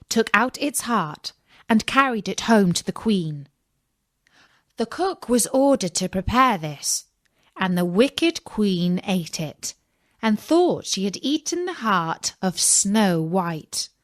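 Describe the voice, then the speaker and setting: A woman storyteller narrating a scripted children's fairy tale in a measured, deliberate read-aloud delivery. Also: medium pitch, expressive, dry recording, studio quality.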